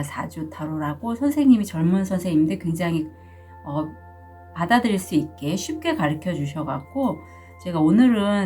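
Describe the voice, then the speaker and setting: Woman with a sore throat, husky lowish voice, chatty tarot reading, soft music behind. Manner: chatty, warm-hearted, with frequent fillers and small laughs. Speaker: tarot reader. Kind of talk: casual tarot reading to viewers.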